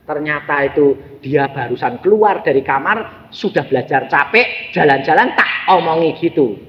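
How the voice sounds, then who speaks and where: A male evangelist with a Javanese accent preaching a sermon, swinging between loud high bursts and hushed asides. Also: animated, normal speed, in a large hall, muffled recording, a little hiss or hum. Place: large church hall.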